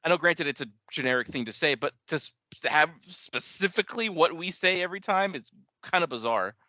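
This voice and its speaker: Bright, animated man chatting, dry lo-fi audio. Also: fairly high pitch, brisk, no room sound. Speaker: podcast co-host. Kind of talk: casual chat.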